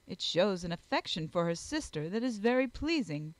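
A woman voicing an amiable, good-natured young gentleman in a storybook, with an earnest, courteous manner. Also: medium pitch, big pitch swings, normal speed, no room sound, lightly acted. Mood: earnest defence.

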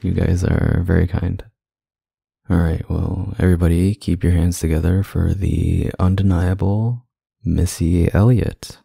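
A man acting a gravelly, low-voiced flirty club singer. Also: fairly even intonation, unhurried, dry recording, exaggerated voice. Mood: gracious. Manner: hesitant, softly teasing, self-deprecating. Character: shy-smooth, self-deprecating, flirty male club singer. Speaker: ASMR roleplay performer. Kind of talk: ASMR roleplay acting, casual flirty banter. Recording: close dry mic, music behind. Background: music in a staged club scene.

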